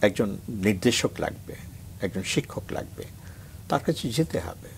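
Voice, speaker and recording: With a lowish, animated voice carrying some vocal fry, this middle-aged Bangladeshi man speaks at a normal speed. He's a reciter guest in a TV studio for a morning show, first offering earnest reflections and then reciting poetry with rising emphasis, against slight background noise.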